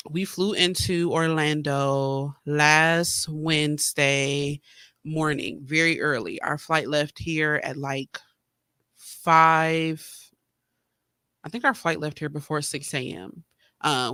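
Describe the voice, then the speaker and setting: A man's voice: fairly high pitch, fairly even intonation, takes it slowly, pushed and bright, smooth, dry recording, studio quality. A man hosting a podcast, chatting casually with lots of fillers and sounding a little congested from a cold. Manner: chatty, rambling with many fillers. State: slightly congested, getting over a cold. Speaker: podcast host. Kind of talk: casual solo chat. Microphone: streaming mic.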